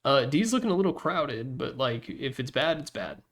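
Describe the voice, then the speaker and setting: A man's voice: medium pitch, big pitch swings, normal speed, fairly bright tone. A man giving casual, opinionated commentary as the host of a ranking, talking in a rambling, blunt, slangy way. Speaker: host ranking video game announcer packs.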